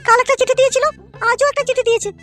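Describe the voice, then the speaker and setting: Man putting on a squeaky lovestruck cartoon girl. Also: flat delivery, very fast, bright, forceful tone. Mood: giddy, secretive. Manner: squeaky, gushing. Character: smug, sneaky lovestruck young girl in cartoon. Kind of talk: Bengali comedy cartoon dubbing. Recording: music behind the voice.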